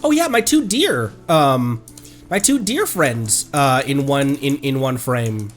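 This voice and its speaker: A woman with a low voice that swings widely in pitch, reacting playfully to a game on a live stream. She talks slowly and casually, with faint music behind her. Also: very animated.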